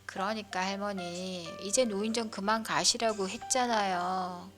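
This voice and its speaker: 여자가 연기하는 할머니를 달래는 손주 민수. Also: female voice, mid-range voice, steady tone, measured pace, fairly bright tone, faint music behind, lightly acted. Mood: patient pleading. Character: busy, patient adult grandchild Minsu, soothing then worried.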